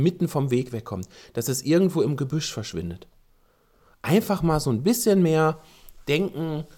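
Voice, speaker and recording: A man hosting a podcast, giving casual advice to dog owners and working as a dog trainer, talking in an animated way with frequent ums and restarts. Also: fairly high pitch. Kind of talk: casual spoken advice talk.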